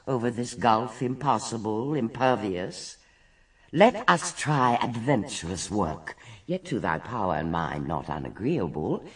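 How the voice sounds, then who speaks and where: Radio verse drama: infernal schemer, eager and grandiose, widely varied pitch, distant placement. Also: male voice. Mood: scheming, persuasive. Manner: declamatory, grandiose, deliberate. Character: Sin, ambitious infernal offspring of Satan, eagerly scheming.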